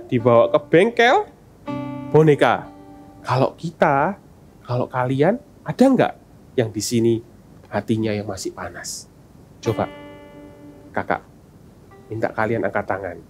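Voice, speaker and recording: Lively children's sermon teacher, swooping voice, soft guitar music behind. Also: mid-range voice. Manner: animated, asks kids questions.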